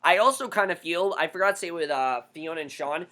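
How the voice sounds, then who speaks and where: A man casually reviewing a TV episode, blunt and opinionated, his voice hoarse after being sick. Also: fairly high pitch, a little fast, bright, forceful tone. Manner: blunt, opinionated, repeats himself. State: hoarse from recent illness.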